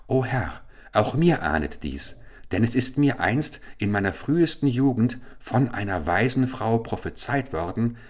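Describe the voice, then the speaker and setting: Eine klagende verzauberte Eulenprinzessin, von einem Mann gelesen. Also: male voice, medium pitch, very animated, a little slow, voice pushed up. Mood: plaintive. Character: sorrowful enchanted owl princess, young woman. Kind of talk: audiobook fairy tale reading.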